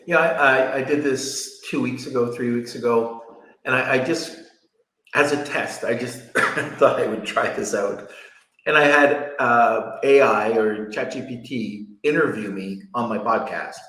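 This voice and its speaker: A man's voice: mid-range voice, a little slow, fairly bright tone. A man hosting a podcast, chatting casually, joking and laughing at himself. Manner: joking, laughs easily, self-deprecating. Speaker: podcast host. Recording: roomy echo.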